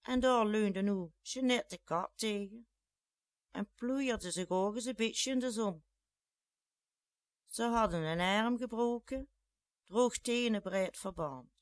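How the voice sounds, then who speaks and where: A storyteller with a Flemish dialect accent, reading a story slowly and deliberately. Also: medium pitch, no room sound.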